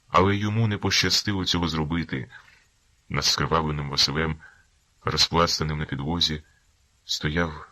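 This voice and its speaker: A man narrating literary prose as an audiobook in a measured, dramatic reading. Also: very deep voice, sharp tone, no echo.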